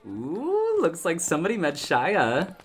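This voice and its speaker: A woman playing a gleeful, gossipy, teasing friend in a fiction podcast, with a drawn-out, knowing delivery. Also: lowish voice, wildly swooping pitch, a faint crowd.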